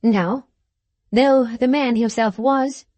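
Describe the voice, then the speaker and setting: A woman voicing an earnest grown son who pleads with his mother in a hushed, careful way. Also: fairly high pitch, steady tone, slow, no room sound.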